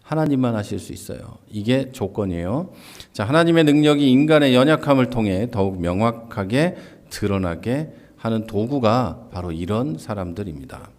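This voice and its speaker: A man's voice: mid-range voice, lively intonation, normal speed, a little mellow. A man giving a church Bible class lecture, explaining step by step and acting out quoted lines in a livelier voice. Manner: explains step by step, often starting a point with "자".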